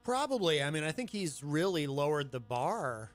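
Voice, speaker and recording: A man in a casual radio political chat, agreeing often and adding quick asides. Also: fairly high pitch, sing-song, faint music behind. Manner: agreeable, frequent backchannel.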